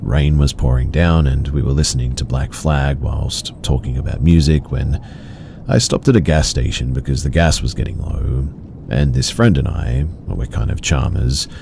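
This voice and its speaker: A man reading out horror stories in an even, measured storytelling delivery. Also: a bass voice, creaky, noisy background. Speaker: story narrator. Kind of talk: scripted horror story narration.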